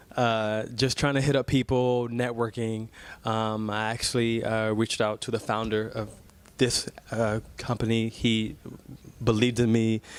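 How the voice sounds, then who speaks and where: A man with an American accent talks at a fairly slow pace. His intonation is monotone and flat. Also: medium pitch for a man. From Ohio, US Midwest. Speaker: singer-songwriter. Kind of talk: interview. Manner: hesitant, many ums.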